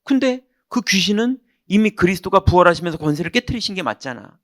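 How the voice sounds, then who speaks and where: A man preaching as a pastor, telling a personal story in an animated way and acting out the people in it. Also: high-pitched, fast, dry recording, studio quality. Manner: animated, acts out quoted voices, shouts punchlines. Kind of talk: sermon with storytelling. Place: church sanctuary.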